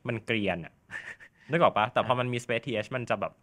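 A man's voice: medium pitch, lively intonation, moderate pace, fairly bright tone. A man co-hosting a podcast, chatting loosely with lots of fillers. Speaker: podcast co-host. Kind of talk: casual chat.

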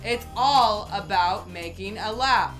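A woman playing an absurd, deadpan presenter in a scripted comedy sketch. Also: mid-range voice, takes it slowly, soft background music, rough recording.

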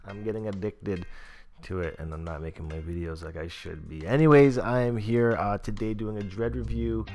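A man's voice: on the low side, moderate pace, darkish tone, soft background music. Laid-back young man vlogging casually. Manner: laid-back, chatty, with slang greetings. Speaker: vlogger reviewing dreadlocks. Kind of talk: casual vlog commentary. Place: small room indoors.

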